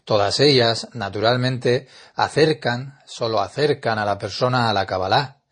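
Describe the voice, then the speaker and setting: A man teaching a spiritual lesson in an earnest, measured lecturing manner. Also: medium pitch, a bit bright. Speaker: Kabbalah teacher.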